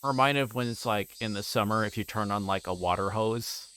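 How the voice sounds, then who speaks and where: Low-voiced man livestreaming a game. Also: brisk, sharp tone, slight background noise. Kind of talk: reading a visual novel aloud with casual chat to viewers.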